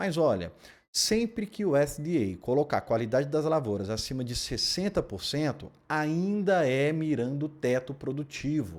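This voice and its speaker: Fairly high-pitched and fairly slow, a man talks with very wide pitch swings on a very clean recording with a silent background. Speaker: agricultural market commentator. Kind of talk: market news commentary.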